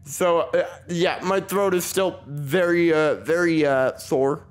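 Slow-talking man with a sore throat. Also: fairly high pitch. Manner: rambling, self-deprecating, chuckles often. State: sore throat with a slight cough. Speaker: gaming channel host. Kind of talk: casual let's play commentary.

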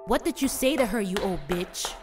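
A woman's voice: medium pitch, expressive, normal speed, music in the background, lightly acted. A woman playing a tough, fiery Latina mechanic, blunt and protective, in an audio story. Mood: angry. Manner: biting, confrontational. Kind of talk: audio fiction dialogue.

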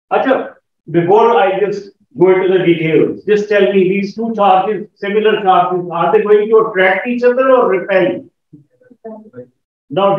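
South asian guy teaching physics class, middle-aged, higher voice, really echoey room, far from mic. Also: dull audio. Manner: encouraging, checks understanding often. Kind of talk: classroom lesson, questioning students. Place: indoor classroom at a whiteboard. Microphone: far camera.

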